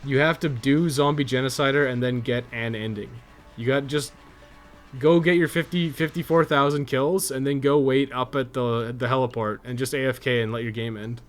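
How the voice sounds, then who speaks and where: A man's voice: mid-range voice, steady tone, moderate pace, soft background music. A Canadian man chatting casually and irreverently on a video game live stream, rambling and swearing freely.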